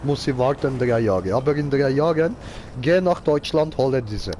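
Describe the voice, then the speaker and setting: A man's voice: mid-range voice, expressive, moderate pace, mellow, slight background noise. A man giving casual live gaming commentary in clownish, slangy broken grammar, as a streamer. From Switzerland. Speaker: game streamer.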